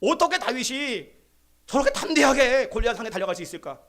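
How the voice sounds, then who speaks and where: A man's voice: very high voice, big pitch swings, fast talker, a bit bright. A male pastor preaching a sermon, calling out amen and asking the congregation questions. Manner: exclamatory preaching with rising calls of amen.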